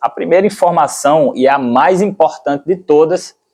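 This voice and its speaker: In a very clean recording with a silent background, a man talks at a fairly slow pace in a fairly high pitch with ordinary pitch variation. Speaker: physician and sales mentor. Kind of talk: monologue to camera, coaching talk. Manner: slow, calm.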